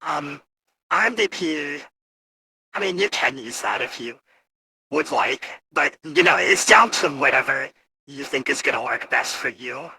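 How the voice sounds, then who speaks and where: A man casually walking through software, his voice turned gritty and grating by an AI voice changer. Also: on the high side, expressive, unhurried, breathy edge, low-quality recording. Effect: AI voice changer with screamy character model. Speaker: host demonstrating voice models. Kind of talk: casual live software walkthrough.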